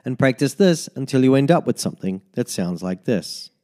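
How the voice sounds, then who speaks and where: A man narrating a tin whistle lesson as a voice-over, giving slow, methodical step-by-step fingering instructions. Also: medium pitch, sing-song, a little mellow, faint music behind. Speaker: music teacher.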